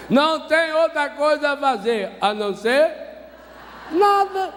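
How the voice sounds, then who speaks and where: A Brazilian Catholic priest preaching a sermon, telling a story with humor and asking the congregation questions. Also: male voice, extremely high pitch, slow pace, a bit bright. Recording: reverberant hall with faint noise.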